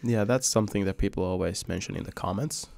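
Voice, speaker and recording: A man with a Finnish accent hosting a podcast interview in English, agreeable and halting, often agreeing with his guest. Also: low voice, creaky, darkish tone, no echo. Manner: agreeable, often says "yeah, that's true", halting phrasing. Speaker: podcast host. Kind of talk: casual interview.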